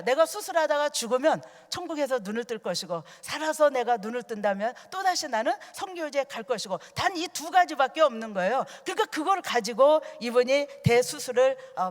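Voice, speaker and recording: A woman pastor delivering an earnest storytelling sermon in a church, asking the congregation questions as she goes. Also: high voice. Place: church sanctuary. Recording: long reverb from a church hall.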